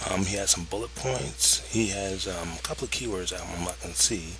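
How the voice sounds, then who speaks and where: The speech moves at a moderate pace. Audible room echo and noticeable background noise surround it. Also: man. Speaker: online marketing tutor. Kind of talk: screen-recorded tutorial. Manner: halting, many fillers; casual.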